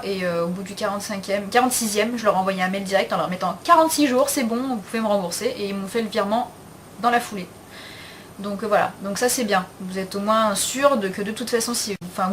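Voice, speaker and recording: A woman's voice: mid-range voice, a bit bright, slight background noise. A young woman talking casually in a beauty haul video, chatty and frank, with slang and many fillers. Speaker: beauty vlogger.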